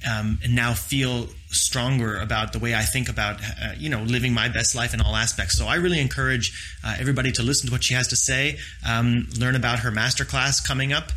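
A Canadian man hosting a podcast interview, speaking in a relaxed way with frequent ums and uhs. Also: mid-range voice. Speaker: podcast host.

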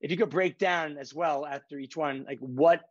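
A man's voice: on the high side, moderate pace, no echo, highs cut off. A man hosting a podcast, quizzing his guest eagerly in a casual chat. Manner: eager, short interjections. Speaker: podcast host.

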